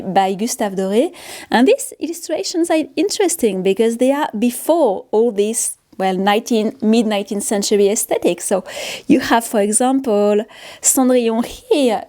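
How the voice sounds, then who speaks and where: A woman with a French accent talks casually through what she is showing on her studio vlog. Her voice is mellow and relaxed, with little edge. She speaks off the cuff, often repeating a word or correcting herself midway. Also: a little high. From France. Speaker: paper artist hosting a studio vlog. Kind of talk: casual, unscripted show-and-tell.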